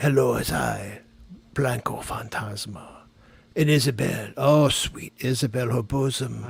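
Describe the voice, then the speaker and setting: The man slowly works through his lines at a fairly slow pace in a raspy, put-on character voice. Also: medium pitch for a man. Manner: theatrical, lovesick.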